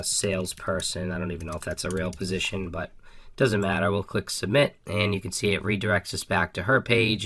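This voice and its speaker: Coding tutorial host, male, low-ish voice, bright and slightly raspy, casual walkthrough delivery. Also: a little hiss or hum. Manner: upbeat, casual, frequent ums and restarts. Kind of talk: screen-recorded coding walkthrough.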